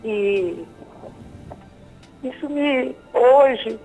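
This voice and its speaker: A woman in her fifties calling in live to a TV program, halting and repeating herself as she tells of her fears. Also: high voice, lively intonation, warm tone, faint music behind, poor audio. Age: 50s. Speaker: caller. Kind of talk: live phone call to a TV program.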